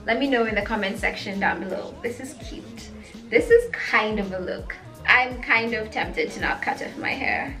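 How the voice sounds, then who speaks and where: A woman's voice: on the high side, normal speed, bright, forceful tone. A young woman chatting through a hair tutorial vlog, playful and sassy with giggly asides. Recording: echoey room with faint music.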